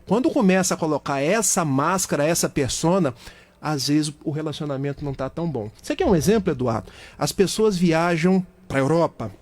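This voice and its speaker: A man's voice: a little high, lively intonation, fairly quick. A middle-aged Brazilian man with a Brazilian Portuguese accent, a guest speaker on a radio talk show, explaining at length with everyday examples.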